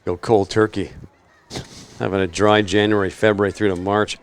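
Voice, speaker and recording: A man's voice: lowish voice, flat delivery, normal speed, clean tone, a faint crowd. A man doing casual play-by-play commentary on a local football game, chatty and joking between plays. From Canada.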